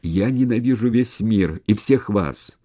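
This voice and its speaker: A man's voice: lively intonation, unhurried, warm tone. A man voicing a drunk young male army recruit who cries and shrieks that he will not go to war, in an audiobook. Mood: bitter. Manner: stammers; slurred, weepy and shrill.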